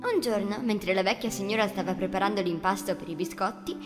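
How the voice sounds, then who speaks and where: A woman's voice: medium pitch, brisk. A woman narrating a scripted children's fairy tale as storyteller, with music behind her.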